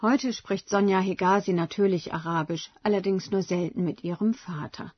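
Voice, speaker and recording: A woman reporter reading a scripted radio feature in a measured, even way. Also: mid-range voice, breathy edge, no echo, lo-fi sound.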